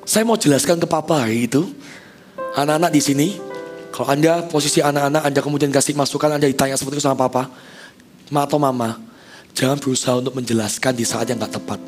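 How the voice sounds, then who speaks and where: Man, 30s, pastor, chatty storytelling sermon, fairly high voice, faint music underneath. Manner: conversational, addresses congregation, acts out quoted dialogue. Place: church stage.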